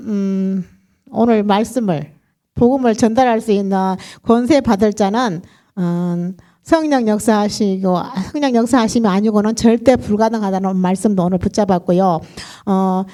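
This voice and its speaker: A woman's voice: mid-range voice, moderate pace, warm tone. A middle-aged woman with a Gyeongsang accent, giving a chatty personal testimony to a church congregation. She often laughs and acts out other people's lines as she tells the story. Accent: Gyeongsang dialect. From Daegu region, South Korea.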